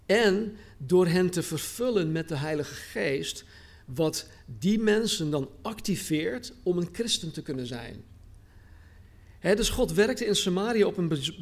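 Earnest preacher man, slightly high voice. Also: animated. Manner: earnest, repeats phrases for emphasis, slows on key words. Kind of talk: sermon with scripture reading.

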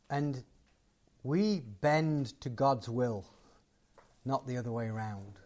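A guest preacher with a medium-pitched, darkish voice delivers a closing sermon and prayer to a live gathering. He speaks conversationally and builds to emphatic points.

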